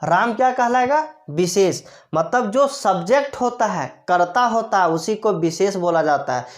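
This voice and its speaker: A woman teaching grammar walks through the material step by step in a classroom-style explanation, posing rhetorical questions and answering them herself while repeating every key term. Her voice is mid-range and animated, and she keeps a measured pace.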